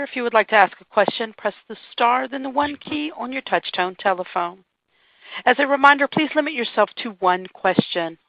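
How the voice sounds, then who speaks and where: A woman's voice: a little high, no echo. A woman working as a conference call operator, giving scripted instructions in a formal, procedural way. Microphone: telephone line. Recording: dull lo-fi phone line.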